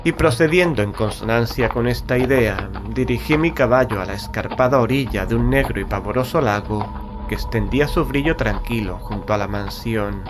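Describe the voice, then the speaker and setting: A man playing a melancholy gentleman who narrates a horror story in a solemn, deliberate, literary way. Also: medium pitch, noisy background, close to an everyday voice. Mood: somber dread. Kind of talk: scripted dramatic horror narration. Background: music.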